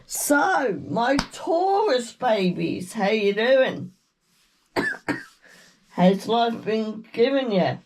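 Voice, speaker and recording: A woman with a British accent, croaky from a cold, giving a slow, meandering tarot reading with murmured chants. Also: fairly high pitch, big pitch swings, a little mellow. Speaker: tarot reader. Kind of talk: casual tarot reading chat.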